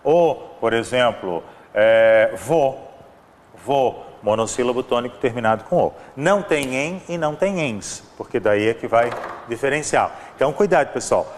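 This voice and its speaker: A man with a Brazilian accent teaching a grammar lesson for an exam, patient and explanatory, with a steady mid-range voice. He repeats his examples and keeps checking in with the class. The recording carries a long reverb tail and a faint background of room ambience. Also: mid-range voice, moderate pace, slight background noise. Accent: Brazilian Portuguese. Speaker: Portuguese language teacher.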